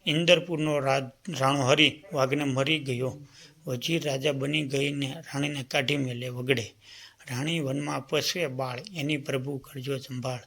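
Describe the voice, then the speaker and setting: A man voicing an old jeweler in a folk tale who speaks quietly and solemnly. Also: medium pitch, fairly even intonation, a little slow, gravelly. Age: older. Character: old male jeweler, calm and earnest.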